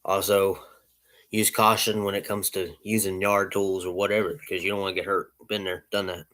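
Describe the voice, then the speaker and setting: A man's voice: low voice, flat delivery, moderate pace, fairly bright tone. A man who runs a lawn care business, giving casual, rambling advice with lots of repeats and restarts.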